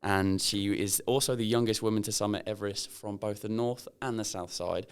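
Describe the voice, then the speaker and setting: Smooth-voiced man hosting a podcast. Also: lowish voice, steady tone, brisk. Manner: friendly, chatty questions with light laughs. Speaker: podcast host. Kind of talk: casual interview chat.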